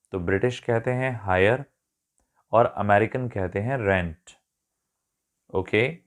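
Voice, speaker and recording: A man gives an English vocabulary lesson in a slow, unhurried way, spelling words out letter by letter. His voice sits fairly low, and he mixes English terms into his explanations as he goes, sometimes correcting himself mid-sentence. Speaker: English teacher.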